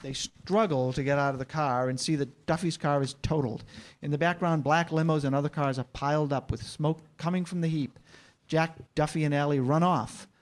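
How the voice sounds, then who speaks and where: A man's voice: a little high, steady tone, normal speed. A man narrating scripted action as the narrator of a staged comedy screenplay reading.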